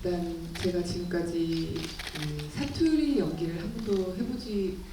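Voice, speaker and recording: A woman's voice: on the low side, a little slow. Reflective woman from Busan, echoey hall. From Busan, South Korea. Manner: warm, reflective, many fillers. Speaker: actress at a screening Q&A. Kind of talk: festival Q&A talk. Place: cinema auditorium at a film festival. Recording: echoey hall from far off, noisy.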